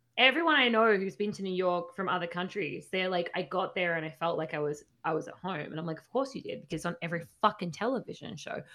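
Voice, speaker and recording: Against a quiet background, a woman talks at a very fast pace with hardly any pauses, in a bright, sharp, medium-pitched voice with big swings in loudness. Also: ordinary pitch variation. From Australia. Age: 30s. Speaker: whiskey bar industry guest. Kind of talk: casual chat. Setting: video call. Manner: animated.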